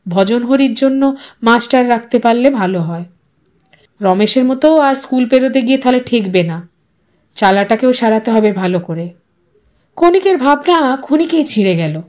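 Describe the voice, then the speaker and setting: High-voiced woman narrating a literary story. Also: expressive, moderate pace, a little mellow. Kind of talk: expressive literary audiostory narration.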